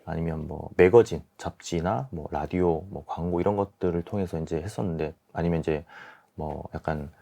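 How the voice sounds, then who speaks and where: Guy in his 40s, deep mellow voice, expert guest explaining stuff carefully on a radio interview. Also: moderate pace, vocal fry. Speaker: guest, small-business expert and YouTuber. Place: radio studio.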